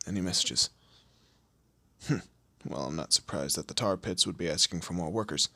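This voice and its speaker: Man playing a gravelly, low-voiced, imperious demon lord. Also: normal speed, bright, forceful tone, dry recording, exaggerated voice. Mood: irritated, amused. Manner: imperious, theatrical, drawling threats and teasing. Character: male demon lord, commanding, menacing, teasing boss of hell. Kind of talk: scripted audio roleplay addressed to the listener.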